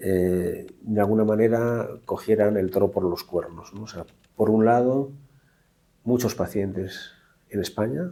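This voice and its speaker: This man talks at a fairly slow pace, his fairly low pitch carrying a dark, mellow tone and ordinary pitch variation. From Ferrol, Galicia, Spain. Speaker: hepatologist. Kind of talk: interview answer.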